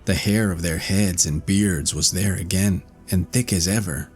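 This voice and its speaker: A man with a low voice narrates a classic fairy tale as an audiobook. He reads from a script in storybook style, with faint music playing behind him. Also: steady tone, measured pace.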